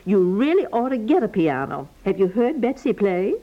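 A woman's voice: mid-range voice, big pitch swings, normal speed. Kindly, genteel neighbour lady, swooping delivery, 1950s radio comedy, muffled period sound. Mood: earnest admiration. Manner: gushing, genteel. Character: kindly, lonely neighbour lady who dotes on children. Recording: dull 1950s radio recording.

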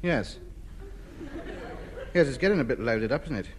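A man's voice: mid-range voice, lively intonation, moderate pace, some chatter behind, lightly acted. An actor in a 1950s radio comedy playing a fussy, pompous man who hoards junk. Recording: old radio recording, noisy.

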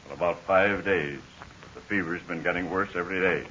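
An American actor playing a worried, weary stranded pilot, plain-spoken and grave, in 1940s radio serial style. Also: male voice, deep voice, fairly quick, pushed and bright. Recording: dull, hissy 1940s radio recording.

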